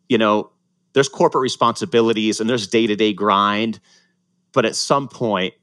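A low-voiced man in his forties tells his story in an interview. He sounds earnest and reflective and often restarts his sentences. The sound is close and dry, with no room echo. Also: a bit bright. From Ohio, USA, born in Ecuador. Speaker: guest, former pro triathlete.

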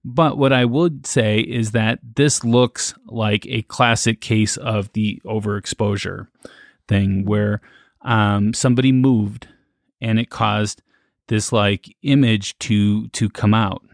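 A man's voice: on the low side, steady tone, slow pace, no room sound, studio quality. Hesitant man thinking aloud on a podcast. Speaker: podcast co-host. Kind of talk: casual chat.

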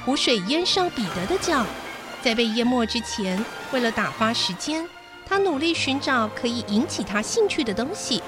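A woman's voice: a little high, very animated, normal speed. A woman hosting a children's show, narrating a bedtime story expressively. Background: background music.

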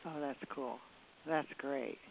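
A woman hosting an interview who reacts with enthusiasm and asks halting questions full of restarts. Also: a bass voice, gravelly, dry recording. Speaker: interview host. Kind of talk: casual interview chat. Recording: phone-like narrow line.

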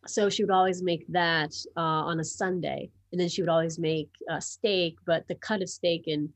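Guesting on a podcast for a relaxed interview, a sports publisher from Miami whose native tongue is Portuguese talks a lot, often saying um and restarting her sentences. She has a lowish voice with a steady tone, speaks at normal speed, and there's no echo.

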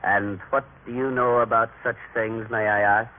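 A man's voice: mid-range voice, flat delivery, normal speed, narrow, tinny audio, close to an everyday voice. An actor playing a proud, emphatic family father in an old radio drama, with a theatrical, paternal manner. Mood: indignant, stern. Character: proud, stern, affectionate husband and father, prejudiced. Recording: noisy, band-limited vintage radio recording.

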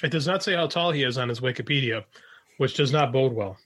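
A man's voice: medium pitch, fast talker, a bit bright, a little hiss or hum. A man co-hosting a podcast, joking sarcastically and talking over the others in a headset. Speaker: podcast co-host. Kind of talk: casual chat. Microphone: headphones with mic.

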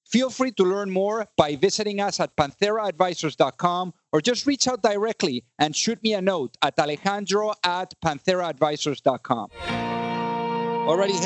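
A man hosting a business podcast, talking in a conversational way with fillers and repeated words. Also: high voice. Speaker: podcast host. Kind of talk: casual interview.

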